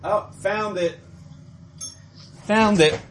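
A man hosting a podcast, chatting casually and teasing his co-host in a jokey, animated way. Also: high voice, drawn-out words, slight background noise. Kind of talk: casual chat.

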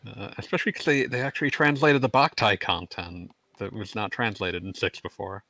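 Male podcast co-host, lowish and crisp-edged, chatty and stammering, very dry close mic. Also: a little fast, bright, forceful tone, dry recording, rough recording. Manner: rambling, stammers on restarts, laughs mid-sentence. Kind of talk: casual gaming podcast chat.

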